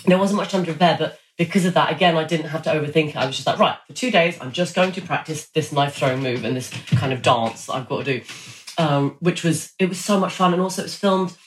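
A man's voice: a little high, quick pace. A man chatting casually and enthusiastically as an actor being interviewed, telling anecdotes and quoting himself. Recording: roomy echo, background noise.

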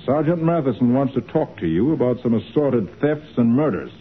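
An actor playing a confident, wry master detective in a 1940s radio drama, cool, assured and teasing. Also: male voice, mid-range voice, lively intonation, moderate pace, natural voice. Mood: cool authority. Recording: narrow-band 1940s radio recording, light noise.

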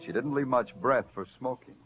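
An actor playing a hard-boiled police detective who narrates in a terse, dry, wisecracking manner, in 1940s radio acting. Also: male voice, mid-range voice, normal speed, a little hiss or hum, lightly acted. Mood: wry narration. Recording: dull lo-fi old radio recording with music.

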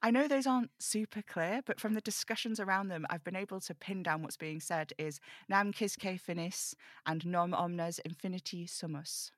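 A woman performs the host of an eerie spirit broadcast in an audio drama, speaking in a fairly low register. The delivery is measured, self-deprecating and conversational, like a confession to faithful listeners. The sound is very dry. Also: dry recording, lightly acted. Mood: explanatory. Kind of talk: audio drama table read, scripted monologue.

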